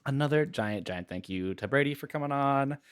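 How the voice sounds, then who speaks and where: A man's voice: medium pitch, lively intonation, fairly quick, clean tone. A man co-hosting a podcast in a casual, joking and appreciative way. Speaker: podcast co-host.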